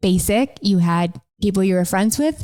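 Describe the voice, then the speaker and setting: A woman speaks in a Rochester accent at a fairly quick pace, her pitch medium and her tone dark and mellow. The recording is very clean, with a silent background. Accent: Rochester, New York. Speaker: wedding photographer, podcast co-host. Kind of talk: casual chat. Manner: fast.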